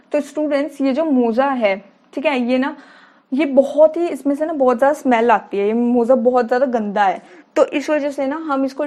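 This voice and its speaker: A woman's voice: high-pitched, a little mellow. A woman teacher explaining memory tricks to students, asking questions and answering them herself while repeating key words. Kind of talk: mnemonic lesson for students.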